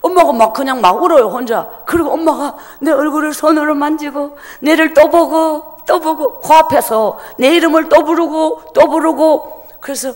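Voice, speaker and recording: Woman, high voice, emotional church testimony in a reverberant sanctuary. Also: moderate pace. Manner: emotional, vivid storytelling in dialect. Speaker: testimony speaker at a church service. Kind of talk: personal testimony. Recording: long church-hall reverb.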